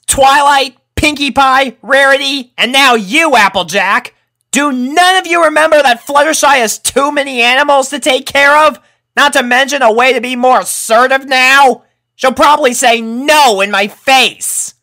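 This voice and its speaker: A man's voice: very high-pitched, a little slow, bright, forceful tone, pitched above the performer's own voice, heavily acted. A man voicing a brash, impatient young female flying pony in a story, emphatic and easily exasperated. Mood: angry, exasperated.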